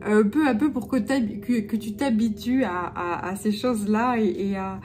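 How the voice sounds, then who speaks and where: A woman with a Jura accent giving an unscripted channeled guidance reading, halting with many fillers and restarts and given to self-mocking humor. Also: mid-range voice, a little mellow, slight background noise. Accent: Jura French. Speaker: spiritual channeler.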